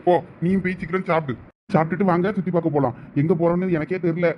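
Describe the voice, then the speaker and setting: A man playing a tour group organiser in a village comedy skit. He talks briskly and bossily to the group, then gently reassures a woman. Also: high voice, fairly even intonation, muffled recording, slight background noise, lightly acted. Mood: reassuring.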